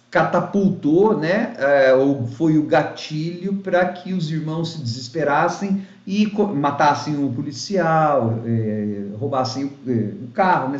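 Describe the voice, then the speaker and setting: Rambling man reviewing in an echoey room. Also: on the high side. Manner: rambling, many fillers and restarts. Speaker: YouTube film reviewer. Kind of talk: casual spoken review. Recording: echoey room, dull lo-fi sound.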